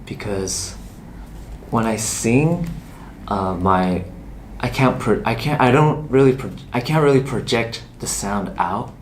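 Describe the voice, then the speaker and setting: A young man with a fairly low voice talks softly and reassuringly, leaning on "you know" as he goes. There is a faint hum of noise behind him. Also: animated, takes it slowly. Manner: gentle, reassuring, many "you know" fillers. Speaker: K-pop idol answering a fan. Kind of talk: casual chat.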